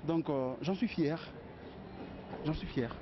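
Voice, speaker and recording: Man, earnest, hesitant, slightly high voice, muffled lo-fi sound, crowd behind. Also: slow pace, very noisy. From Kinshasa, DR Congo. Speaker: street interviewee. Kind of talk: vox pop answer. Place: busy street outdoors. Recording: dull lo-fi street recording with crowd.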